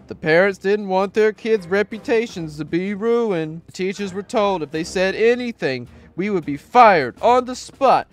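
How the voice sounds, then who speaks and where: Man acting an earnest, high-pitched male teacher. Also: expressive, measured pace, hardly any pauses, faint music behind. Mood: confessing. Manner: earnest, confiding. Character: earnest male school teacher, weary and confiding. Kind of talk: amateur voiced roleplay drama.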